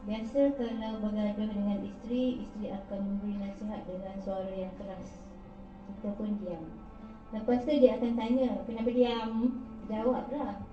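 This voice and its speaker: A woman's voice: mid-range voice, fairly even intonation, moderate pace, over music. A woman reading out a question from the audience. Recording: distant, dull, echoey sound.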